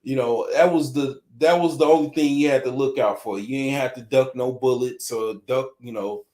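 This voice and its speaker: Man hosting a stream, loose rambly delivery with lots of fillers, medium pitch, roomy echo. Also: steady tone, normal speed, warm tone. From Chicago suburbs, Illinois. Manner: rambling, heavy "you know" fillers, chuckles often. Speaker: livestream host. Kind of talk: casual livestream chat reading viewer comments.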